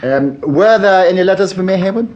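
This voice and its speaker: An actor playing a smug, charming upper-class British barrister with a suave, evasive manner in a radio drama. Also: male voice, sits high, expressive, fairly quick, a little mellow. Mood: casual. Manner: suave, self-assured, evasive. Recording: dull vintage radio recording.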